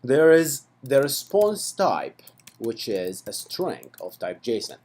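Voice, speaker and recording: A man's voice: mid-range voice, sing-song, takes it slowly, darkish tone, breathy edge. A man teaching programming in a casual, chatty tutorial, often checking in with the listener with asides. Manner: chatty and playful, with frequent "right?" and "okay" asides. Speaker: programming instructor. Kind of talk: casual screen-recorded coding tutorial.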